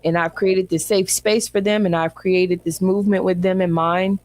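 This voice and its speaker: A woman co-hosting a podcast, speaking slowly and thoughtfully in casual chat, often restarting her phrases. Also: on the low side, fairly even intonation, a little mellow. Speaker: podcast co-host.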